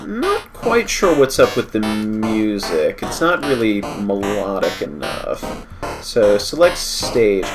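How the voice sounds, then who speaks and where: A man hosts a game livestream, sounding a little stuffy as he gets over a cold. His commentary is wry and thought-out-loud, full of self-corrections, with a lively, bouncing pitch. Game music plays clearly behind him. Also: takes it slowly. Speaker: livestream host playing a game. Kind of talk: let's-play commentary.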